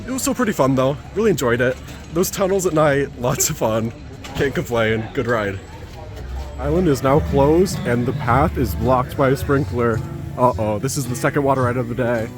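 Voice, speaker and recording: A man's voice: medium pitch, normal speed, music in the background. A man in a casual vlog, touring an outdoor amusement park and giving short, upbeat remarks to a handheld camera. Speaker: theme park vlogger.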